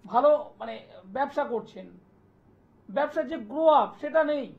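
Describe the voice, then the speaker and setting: A man, an astrologer hosting a live TV call-in show, delivering an insistent, repetitive pitch and taking callers' details. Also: animated, moderate pace, creaky. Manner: insistent, repetitive sales pitch, listing place names. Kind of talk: live TV promotional talk and phone call-in. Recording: dull lo-fi broadcast sound.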